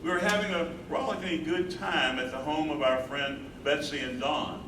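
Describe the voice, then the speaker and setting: A man's voice: fairly high pitch, moderate pace, natural voice. Man acting a devoted, troubled husband, distant echoey stage. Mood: haunted, reflective. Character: devoted husband and carer, loving, troubled, reflective. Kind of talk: staged reading, dramatic monologue. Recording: echoey distant stage recording, clear noise.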